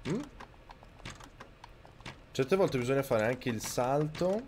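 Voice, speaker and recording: A man streaming a video game live, talking close to his microphone, yelling and swearing at the game and thanking viewers. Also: mid-range voice, animated, slow, a little hiss or hum. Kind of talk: live gameplay commentary. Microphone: microphone very close to the mouth.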